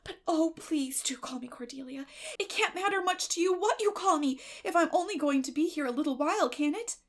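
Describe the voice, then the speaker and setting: A woman voicing an eleven-year-old orphan girl, dramatic and imaginative, with a breathy, effusive, emotional delivery in a storybook reading. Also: sits high, brisk, voice pushed up, natural voice. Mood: eager pleading.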